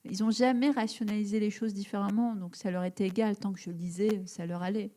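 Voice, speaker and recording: Woman, 30s, from Algeria, writer guest, halting thoughtful speech, mellow tone. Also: medium pitch, steady tone. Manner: thoughtful, many fillers and restarts. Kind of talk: live public interview. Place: event hall before an audience.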